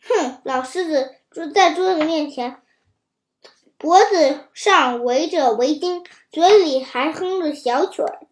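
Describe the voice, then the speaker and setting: A woman narrating a children's story in a lively, expressive reading, with a few slips. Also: high-pitched, takes it slowly. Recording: roomy echo.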